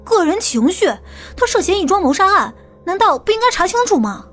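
A woman's voice: very high-pitched, big pitch swings, a little fast, a bit bright, soft background music, exaggerated voice. A woman playing a stern, impatient police detective in an audiobook drama. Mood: heated.

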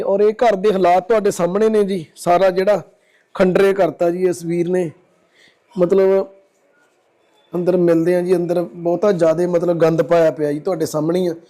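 Punjabi man consoling, high-pitched. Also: little pitch movement, moderate pace, mellow. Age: adult. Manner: consoling, appealing to viewers as brothers and sisters. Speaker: social-service video host. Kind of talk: on-location charity appeal. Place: outdoors at a village home.

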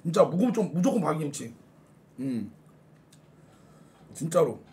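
A man's voice: fairly high pitch, sing-song, unhurried, warm tone, slight background noise. A young man streaming an eating show, chatting casually to his viewers while talking with his mouth full. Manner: chatty, addresses viewers directly. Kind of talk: casual live-stream chat.

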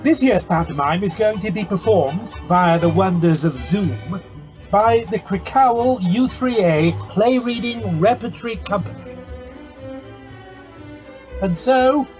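High-pitched man, wry comic presenter. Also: a little mellow. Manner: wry, theatrical. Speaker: presenter introducing the show. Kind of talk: scripted comic introduction. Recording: slightly dull home video-call recording.

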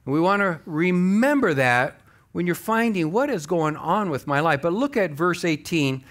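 A man's voice: high-pitched, expressive, normal speed, fairly bright tone. An older American man preaching a sermon as a pastor, in a conversational, emphatic way. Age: older, about 60. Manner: conversational, emphatic, acts out imagined objections. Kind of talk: sermon with scripture reading. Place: church stage at a lectern.

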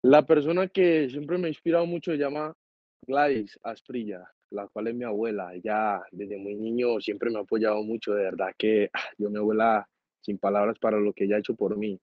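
Twenty-something Colombian guest, lowish voice, modest and slightly hesitant, dull and dry call audio. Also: male voice, steady tone, moderate pace, dry recording. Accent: Colombian Spanish. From Cali, Colombia. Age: 20s. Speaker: guest footballer. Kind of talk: casual interview answers. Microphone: video call.

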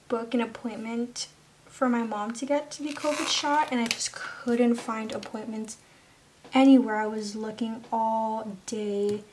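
A young woman narrates her planner at an unhurried, drawn-out pace, her voice sitting a little high. She chats in a loose, casual way. The recording carries clear background noise. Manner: chatty, slips into soft whispers at times. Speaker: planner vlogger.

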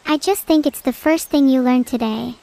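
Deadpan high-pitched AI girl voice. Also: normal speed, gravelly, rough recording. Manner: deadpan, matter-of-fact quips. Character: female AI vtuber, dry and teasing. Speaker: AI streamer co-host. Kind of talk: casual stream chat.

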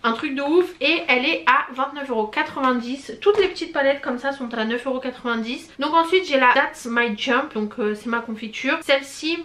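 A woman's voice: sits high, normal speed, few pauses, fairly bright tone. Gushing young woman beauty vlogger. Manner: chatty and gushing, many hesitations and slang. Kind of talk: casual product review chat.

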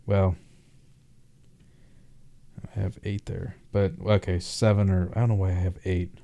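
A man tutoring informally through a worked math problem, thinking aloud in a halting way. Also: deep voice, level tone, creaky, dark tone.

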